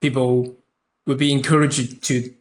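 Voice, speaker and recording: A young man from Taiwan, a native Chinese speaker with a Taiwanese accent, chatting haltingly as a podcast guest with many restarts. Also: mid-range voice, level tone, slight background noise. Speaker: podcast guest, concept artist. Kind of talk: casual interview chat.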